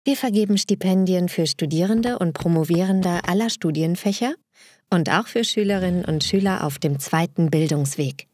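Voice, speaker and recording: A woman reading a scripted promotional narration in an even presenter manner. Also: on the low side, moderate pace, no echo, clean studio sound. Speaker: foundation narrator. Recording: music bed underneath.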